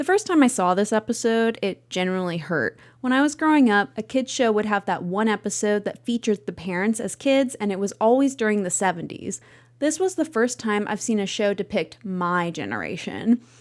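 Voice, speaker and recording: Fairly quick and lively in intonation, a woman speaks in a plain, everyday voice with a fairly high pitch on a very clean recording with a silent background. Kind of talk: amateur video voice-over, list commentary. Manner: casual, conversational.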